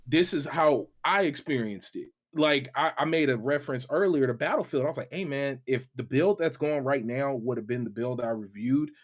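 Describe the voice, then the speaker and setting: A man chatting in animated, slangy podcast banter, excitable and often repeating his phrases. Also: medium pitch, moderate pace, few pauses. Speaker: gaming podcast panelist and reviewer. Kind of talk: animated casual panel banter. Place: remote call on a livestream.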